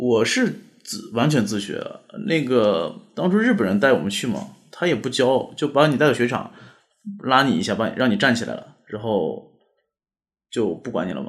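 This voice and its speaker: The speaker moves at a moderate pace with very wide pitch swings and long, frequent pauses. Room echo is audible. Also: man, medium pitch for a man. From Dalian, northeast China. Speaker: ski club co-founder. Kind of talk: casual chat.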